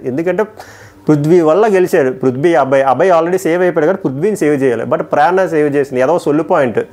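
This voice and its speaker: A man's voice: on the high side, a little mellow. A man giving a casual, emphatic review of a TV episode and weighing each point with strong opinions. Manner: emphatic, opinionated, quickly switching between points. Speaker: TV show reviewer.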